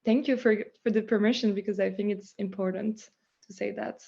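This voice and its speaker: A woman's voice: medium pitch, a little fast, vocal fry, muffled recording. A young woman from France with a French accent, chatting as a guest about the business she founded, full of "like" fillers. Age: young adult. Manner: chatty, many "like" fillers, animated. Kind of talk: casual interview chat.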